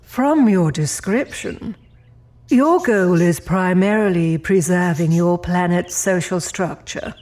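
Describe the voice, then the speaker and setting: An actress playing a serene otherworldly architect in an audio drama, politely cold, formal and measured. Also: female voice, lowish voice, darkish tone. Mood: cool, composed.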